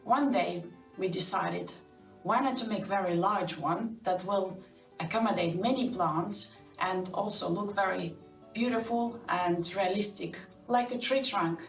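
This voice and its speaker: Far from the mic, a woman's mid-range voice moves at a measured pace as she earnestly tours her home's indoor garden, surrounded by plants. She's from Estonia, her phrasing is slightly non-native, and the echoey room has faint music behind her.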